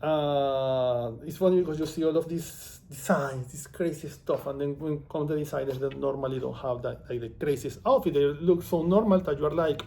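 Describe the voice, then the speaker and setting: Venezuelan-accented man, gravelly and mellow. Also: fairly high pitch, normal speed, few pauses, a little hiss or hum. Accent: Venezuelan Spanish. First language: Spanish. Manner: chatty, digressive, self-deprecating. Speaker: author and vlogger. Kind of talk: casual chat to camera.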